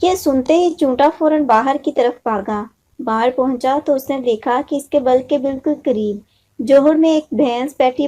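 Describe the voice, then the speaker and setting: A woman's voice: high voice, warm tone, rough recording. A woman storyteller reading a scripted moral story for children.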